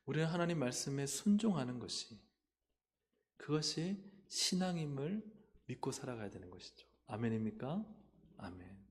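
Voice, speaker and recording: A male pastor with a Gyeongsang accent preaching a lively sermon, calling for amens and acting out little dialogues. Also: medium pitch, normal speed, in a large hall. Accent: Gyeongsang Korean. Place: church sanctuary.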